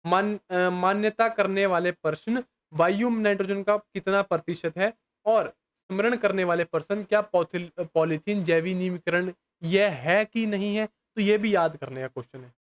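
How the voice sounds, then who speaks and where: A young man with a high voice teaches exam questions in a casual, chatty way. He reads each English question slowly, then explains it quickly, calling the viewer "bhai" and often asking if they understand.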